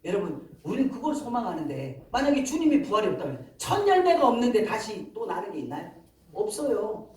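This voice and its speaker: A pastor preaching a sermon, asking the congregation questions and building to emphatic, loud passages. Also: mid-range voice, very animated, brisk, slight background noise. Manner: asks the congregation rhetorical questions. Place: church sanctuary. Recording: very echoey hall, mic far off.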